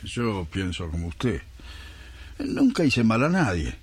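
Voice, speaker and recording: Slow, low-voiced older man. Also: big pitch swings, husky, no echo, heavily acted. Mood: resigned. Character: elderly male pensioner, reluctant, disillusioned, reads scripture solemnly. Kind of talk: radio drama acting.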